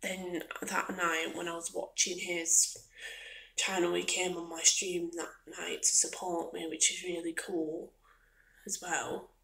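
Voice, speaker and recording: Soft-spoken woman with a creaky, low voice. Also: level tone, unhurried, rough recording. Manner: hesitant, rambling, partly whispery delivery. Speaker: gaming and ASMR video creator. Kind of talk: soft-spoken ASMR ramble.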